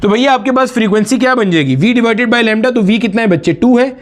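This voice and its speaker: Very high-pitched, expressive, and fairly quick, this lecturer works through physics exam preparation step by step. He asks the class questions only to answer them himself, and affectionately addresses his students as "beta" like a father would.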